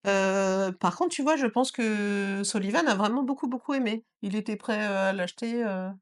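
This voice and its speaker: A woman's voice: mid-range voice, moderate pace. A woman whose first language is not French co-hosts a casual board game review chat, with a hesitant, playful manner full of fillers. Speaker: co-host.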